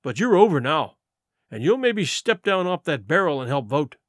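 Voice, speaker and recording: Man voicing a surly, accusing pirate mutineer, high-pitched. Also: sing-song, moderate pace, no echo, studio quality. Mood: accusing, defiant. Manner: blunt, accusing, rustic nautical dialect. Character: tall, surly, yellow-eyed mutinous pirate challenger. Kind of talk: audiobook character acting.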